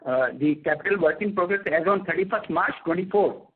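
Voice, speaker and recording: On an earnings call over a tinny narrowband conference line, an Indian-accented finance executive fields analyst questions and recites numbers haltingly. His voice sits high, with a breathy edge.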